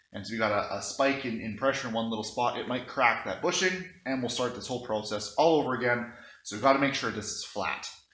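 A man talks fairly quickly, with audible room echo in the recording. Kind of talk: tutorial. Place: workshop. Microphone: phone near.

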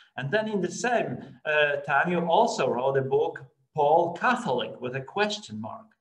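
A man with a Polish accent speaks at a high pitch, making very wide pitch swings. The background is quiet. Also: moderate pace. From Poland. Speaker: theology school president, interviewer. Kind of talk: interview. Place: home room. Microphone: video call.

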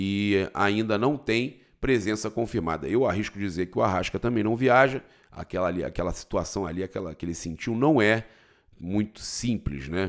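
A man talks in an ordinary speaking voice, fairly low in pitch, at a moderate pace. His pitch varies in an ordinary way over a quiet background. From Brazil. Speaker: football news youtuber. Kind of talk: casual sports news commentary. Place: home room. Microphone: studio mic.

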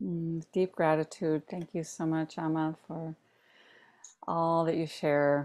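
This woman's voice sits very deep and low, with monotone, flat intonation. She talks at a very slow pace over a quiet background. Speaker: center host. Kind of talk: casual introduction; host closing remarks and announcements. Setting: video call.

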